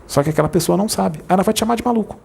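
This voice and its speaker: A man with a Brazilian Portuguese accent, a spirit medium preaching informally in a playful, jokey way that rushes over his words. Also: high voice, gravelly, darkish tone, breathy edge.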